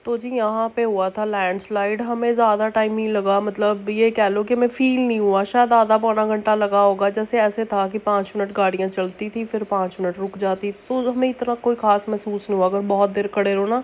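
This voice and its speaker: Casting: young woman, medium pitch, flat delivery, chatty explanatory vlog narration. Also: fast talker, few pauses. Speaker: vlogger. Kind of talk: conversational vlog voice-over.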